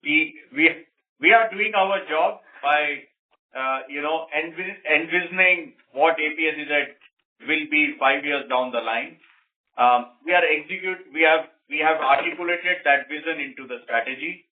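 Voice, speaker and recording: A man's voice: on the high side, unhurried. Emphatic man on narrow phone line. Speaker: senior company executive answering analysts. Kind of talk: earnings call answers.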